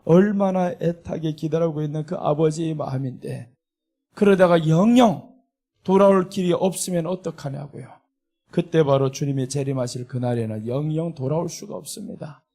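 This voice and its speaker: A man's voice: on the high side, moderate pace, mellow. A middle-aged man preaching a sermon as a pastor, earnest and emphatic, with a Seoul Korean accent. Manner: earnest preaching, rising when voicing indignation.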